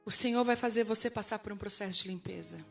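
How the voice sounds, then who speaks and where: A woman's voice: medium pitch, fast talker, gravelly, fairly bright tone, soft background music. A woman pastor preaching a passionate sermon, asking the congregation questions and rising into declarations.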